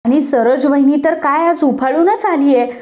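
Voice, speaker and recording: A woman's voice: high voice, moderate pace, darkish tone, lightly acted. A woman voicing a meddling woman who stirs up trouble, sly and gloating, in a serial recap.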